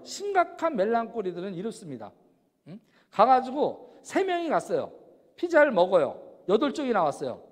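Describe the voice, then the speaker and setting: A man giving an animated lecture, firing off rhetorical questions and acting out examples. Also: extremely high pitch. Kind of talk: lecture on personality types. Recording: long hall reverb.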